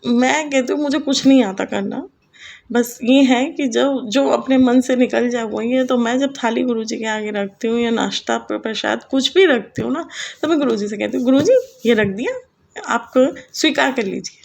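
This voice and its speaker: High gravelly woman telling a devotional story. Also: moderate pace, darkish tone. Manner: chatty, emotional, sings short devotional lines. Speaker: devotee sharing a spiritual experience. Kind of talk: personal testimony to a congregation.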